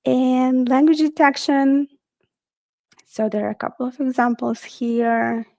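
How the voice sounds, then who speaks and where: A woman's voice: high-pitched, flat delivery, measured pace, vocal fry, warm tone, dry recording. A woman presenting a technical webinar in a casual, friendly way, with frequent fillers.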